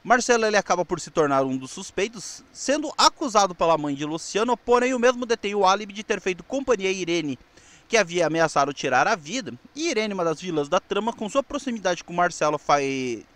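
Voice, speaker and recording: A man's voice: sits high, expressive, fairly quick, a bit bright, dry recording. A man with a Brazilian accent, hosting and narrating a semi-scripted recap in an informal, slightly stumbling way. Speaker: host of a retro television review show.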